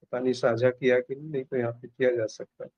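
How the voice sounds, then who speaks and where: A man leading a spiritual satsang, speaking in a reflective, contemplative way with long pauses. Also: medium pitch, level tone, no echo, highs cut off.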